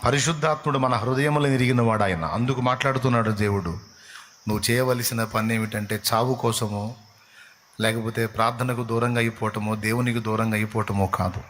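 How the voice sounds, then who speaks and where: A male pastor preaching an impassioned sermon, asking his congregation direct questions and building to loud, emphatic repetitions. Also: medium pitch, fairly even intonation, fairly quick, slight background noise.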